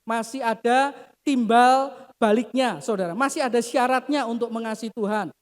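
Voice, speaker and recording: A woman's voice: fairly high pitch, normal speed. A woman pastor delivering a sermon, acting out quoted prayers and often addressing the congregation directly. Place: church. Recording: reverberant church hall.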